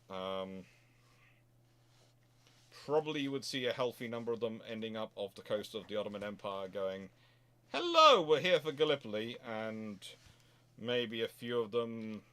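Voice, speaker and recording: A man with a mid-pitched voice speaks casually as a livestream host taking questions. He thinks out loud in a halting, conversational way, circling back over phrases as he builds each answer. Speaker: host of a naval history stream.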